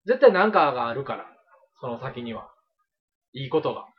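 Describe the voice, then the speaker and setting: A man's voice: mid-range voice, very animated, normal speed, husky, highs cut off. A man with a Kansai accent hosting a casual chat show, talking in a rambling, emphatic way and repeating himself. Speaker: radio talk show host.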